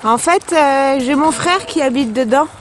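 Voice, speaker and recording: A woman's voice: high-pitched, measured pace. A young woman from France chatting casually to her camera for a travel vlog, rambling with lots of hesitations. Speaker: vlogger. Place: outdoors in a green village on a trip. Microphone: handheld camera she films with. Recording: outdoor camera audio with clear background noise.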